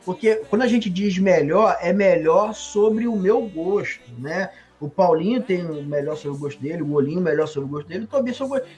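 Brazilian male panelist, high-pitched, blunt and grumbly in a joking way, casual banter over faint music. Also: expressive, fairly quick, a little mellow. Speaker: show regular, panelist. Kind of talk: casual live sports banter.

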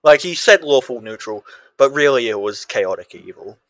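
A man's voice: medium pitch, expressive, moderate pace, a bit bright. A man co-hosting a casual podcast chat, rambling, swearing freely and laughing often. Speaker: podcast co-host.

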